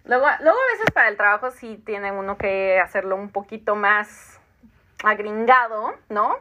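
A woman's voice: medium pitch, lively intonation, normal speed, pushed and bright, highs cut off. A Mexican woman in her thirties, hosting a podcast in a casual chat, reading out listener comments and answering them, with frequent laughs. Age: 30s. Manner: chatty, laughs often, reads comments aloud. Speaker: podcast host.

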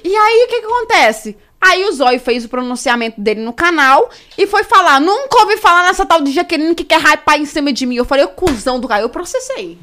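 Bright, high-pitched, lively young woman. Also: brisk, few pauses. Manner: animated, swears freely, acts out quoted speech. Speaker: podcast guest. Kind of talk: casual storytelling.

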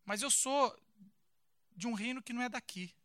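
A man with a Brazilian accent voicing a calm, gentle man who answers softly that he is a king. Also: very high voice, moderate pace, no echo, clean studio sound. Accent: Brazilian Portuguese.

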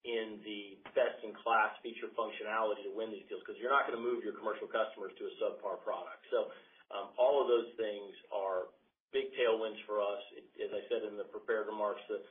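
A male company executive answering analyst questions on an earnings call, haltingly repeating words as he goes. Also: fairly low pitch, steady tone. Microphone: conference call line. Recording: muffled phone-band conference call.

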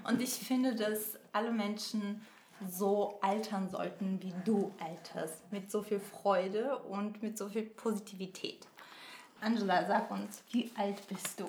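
A woman's voice: medium pitch, steady tone, a little slow, a little mellow, echoey room, slight background noise. A woman co-hosting a podcast who introduces the guest in a friendly, admiring way. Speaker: podcast co-host. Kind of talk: casual interview.

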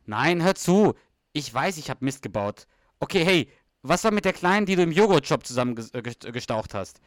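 A man's voice: a little high, very animated, fairly quick, dry recording, studio quality, voice pushed up. A man voicing a boastful middle-aged husband at the dinner table, reading sitcom dialogue in a brash, defensive way. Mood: pleading. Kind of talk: read-aloud sitcom dialogue.

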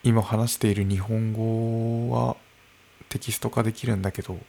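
A man in his early thirties talking alone into a microphone in his room, slow and musing, with soft laughs. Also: fairly low pitch, level tone, vocal fry. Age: early 30s. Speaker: podcast host. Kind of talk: unscripted solo podcast talk. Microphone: podcast microphone.

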